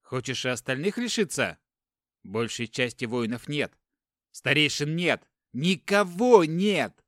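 A man's voice: mid-range voice, expressive, moderate pace, no room sound, studio quality, lightly acted. A man voicing a detached, firm warrior who clips his words coolly. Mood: impassioned. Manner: firm, clipped, cool.

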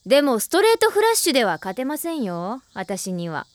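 A woman's voice: high-pitched, huge pitch swings, brisk, dry recording. An actress playing a confident, crafty teenage girl in an anime audio drama, with a cool, teasing, mock-polite delivery. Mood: cool confidence.

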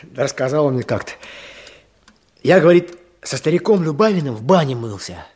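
A serious village worker with a husky, somewhat raised voice, speaking in earnest tones in a radio play. He tells his story plainly and always sounds focused on the job at hand. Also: a little high, lively intonation, a little fast, a little mellow. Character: village man Fyodor, earnest, business-minded. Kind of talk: Soviet radio play acting.

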